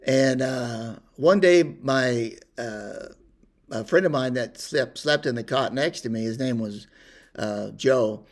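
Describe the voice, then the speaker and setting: An older man telling a personal story in a rambling, unhurried way with many pauses and fillers. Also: medium pitch. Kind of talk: casual spoken reminiscence.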